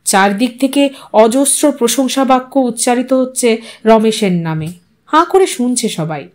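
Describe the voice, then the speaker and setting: Woman audiobook narrator, high voice, dramatic storytelling. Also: lively intonation, unhurried, a little mellow.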